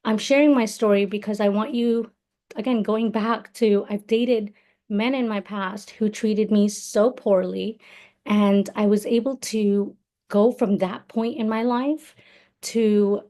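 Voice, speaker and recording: A woman's voice: medium pitch, steady tone, unhurried, mellow. Woman giving heartfelt personal testimony. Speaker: guest sharing her story. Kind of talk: personal testimony on a live webinar.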